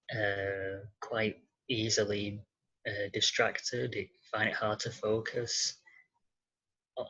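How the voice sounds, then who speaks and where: A male voice in the late twenties, giving a personal account as a podcast guest in hesitant, halting phrases. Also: on the low side, pushed and bright, breathy edge, low-quality recording.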